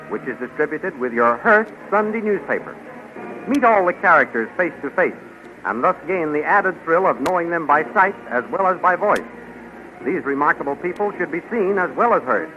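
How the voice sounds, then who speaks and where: A man announcing a radio serial in a crisp, promotional, scripted manner. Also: high voice. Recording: muffled 1930s radio recording.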